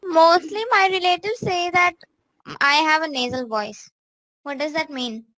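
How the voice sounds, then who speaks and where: Bright-voiced Indian student asking questions. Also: female voice, high-pitched, measured pace, rough recording. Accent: Indian English. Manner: polite, addresses teacher as ma'am. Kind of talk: questions in online class.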